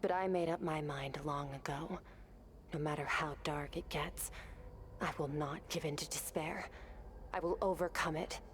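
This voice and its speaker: A cool-headed young warrior woman from a fantasy game, voiced by an actress. Her voice sits on the low side, composed and serious, with deliberate phrasing. There is faint noise behind her. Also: fairly even intonation, natural voice. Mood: resolute, thoughtful. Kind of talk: scripted video game voice acting.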